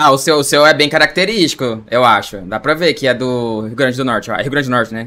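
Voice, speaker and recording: A man speaks very fast with hardly any pauses and ordinary pitch variation. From Goiás, Brazil. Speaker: streamer. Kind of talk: casual chat. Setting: livestream.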